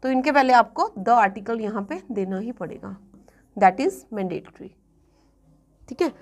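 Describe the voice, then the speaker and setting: Brief: woman exam-coaching teacher, somewhat high voice, patient repeated examples. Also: lively intonation. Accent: Punjabi-influenced Hindi-English. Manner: checks in often with students, repeating examples slowly. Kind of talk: classroom grammar lesson.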